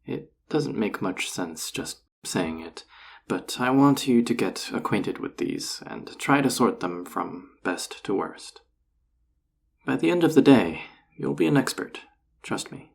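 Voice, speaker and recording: A man playing a flirty, encouraging enchanter boss in an intimate roleplay audio drama, teasing and reassuring in a husky, gravelly voice. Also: medium pitch, expressive, unhurried, full character voice. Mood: patient, instructive.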